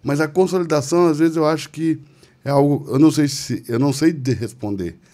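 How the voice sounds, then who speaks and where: A man's voice: a little high, brisk, warm tone. A man hosting a church podcast, sharing reflective thoughts in casual conversation. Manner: reflective, thinks aloud. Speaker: podcast host. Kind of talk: casual chat.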